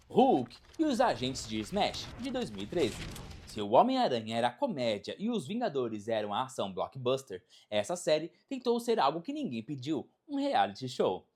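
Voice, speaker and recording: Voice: mid-range voice, a little mellow. A Brazilian narrator with an emphatic, dramatic delivery, reading a scripted video essay.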